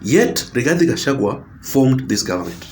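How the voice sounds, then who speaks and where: A man's voice: medium pitch, big pitch swings, moderate pace, a little hiss or hum. Emphatic Kenyan man giving political commentary. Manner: emphatic and repetitive, corrects himself mid-sentence.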